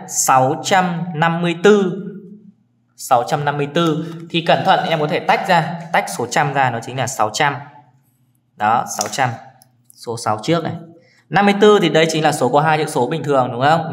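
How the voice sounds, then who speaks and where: A man teaching a children's math lesson, counting patiently step by step and often checking in with his pupils. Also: mid-range voice.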